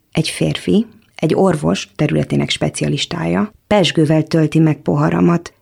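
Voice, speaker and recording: A woman reading a first-person novel excerpt aloud in a measured, calm storytelling manner. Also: deep voice, gravelly. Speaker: reader.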